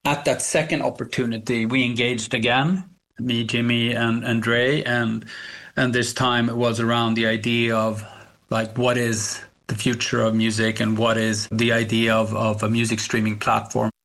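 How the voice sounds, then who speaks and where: A middle-aged man whose first language is Swedish, a company founder reflecting on his past as a radio interview guest, halting now and then with restarts. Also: medium pitch, level tone, a bit bright. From Sweden.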